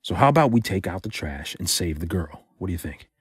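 A man acting as a male spy agent with a deep, husky voice, recorded close and dry. He is protective and defiant, with a tender streak, in the intimate style of an audio drama. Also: big pitch swings, a little fast, no echo, exaggerated voice. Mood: wry, resolved.

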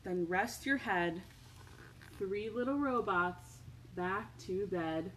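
A woman hosting a storytime for small children, reading and chatting in an expressive, sing-song manner, recorded indoors at home. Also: mid-range voice, takes it slowly, low-quality recording. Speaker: children's librarian, storytime host. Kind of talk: children's storytime read-aloud and chat. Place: indoors, home living room. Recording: home recording with faint background noise.

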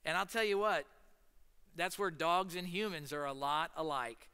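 A man's voice: a little high, moderate pace, clean tone, long reverb tail. A man in his thirties with a Midwestern American accent, a pastor preaching a casual, story-driven sermon from a stool on a church stage, gesturing as he talks. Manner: storytelling, animated with hand gestures, seated on a stool. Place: church stage in front of a large screen.

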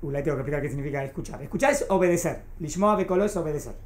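Her voice low-pitched, racing and darkish, a woman teaches Torah to a small class in an echoey room. She's patient in her explanations and often makes sure the students are following.

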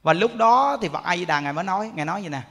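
A man's voice: sits high, lively intonation, rapid-fire, a bit bright. A man giving a Buddhist sermon and telling a story, often asking the audience questions. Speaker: Buddhist monk teaching. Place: temple hall. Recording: echoey hall.

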